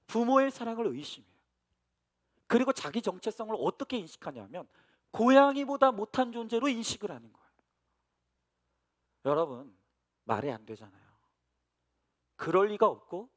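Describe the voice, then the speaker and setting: Male pastor, middle-aged, high and animated, storytelling sermon to the congregation. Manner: storytelling with lively asides to the congregation.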